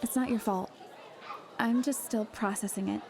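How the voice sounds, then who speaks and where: A woman's voice: fairly high pitch, fairly even intonation, a crowd in the background, background noise, natural voice. An actress playing a nervous, sheltered teenage schoolgirl in an audio drama, speaking hesitantly. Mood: uneasy, withdrawn. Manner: hesitant, soft-hearted, halting. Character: nervous, sheltered teenage schoolgirl, female, unsure but candid.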